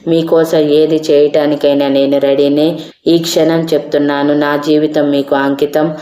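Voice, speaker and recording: A woman's voice: sits low, level tone, normal speed, warm tone, a little hiss or hum, lightly acted. A stubborn devoted young woman, read by a woman. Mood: tearful devotion. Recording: roomy echo.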